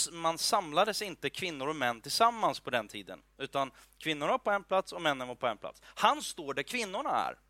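A man's voice: fairly high pitch, bright, forceful tone, no room sound. A man giving an informal, chatty sermon, joking and checking in with his listeners as he explains a Bible passage. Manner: chatty, joking asides, many fillers and restarts; asks the audience "are you with me". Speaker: preacher.

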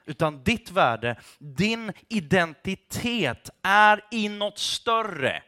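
A man delivers a passionate sermon with a high, bright voice. He swings between quiet, earnest stretches and loud, fervent bursts. He sprinkles casual English phrases into his preaching. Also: big pitch swings. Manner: passionate, shouting at times, mixes in English phrases. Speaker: pastor.

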